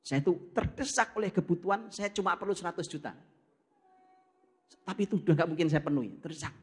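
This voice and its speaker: Animated man preaching to a congregation. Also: sits high, a little fast, slightly rough. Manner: lively, often addresses the audience directly; acts out dialogues in a storytelling way. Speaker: Islamic preacher. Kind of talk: Quran study talk.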